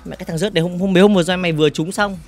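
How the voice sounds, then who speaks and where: A man livestreaming a game in casual chat, reading out viewer comments and teasing them, often repeating words in quick bursts. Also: high voice, fairly even intonation, darkish tone, soft background music. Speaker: gaming livestreamer.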